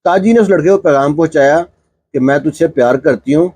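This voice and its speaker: A man telling a village folk tale in a relaxed, chatty way, filling his sentences with small spoken fillers. His voice is husky and sits a little high. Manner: conversational, fillers like "na" in narration. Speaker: storyteller. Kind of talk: told folk story, casual narration.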